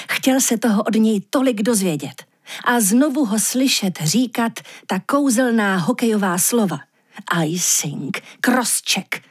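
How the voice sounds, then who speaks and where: A woman narrates an audiobook fairy tale in a middling voice. Her storytelling is lively and expressive, with plenty of rise and fall as the tale unfolds. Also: medium pitch.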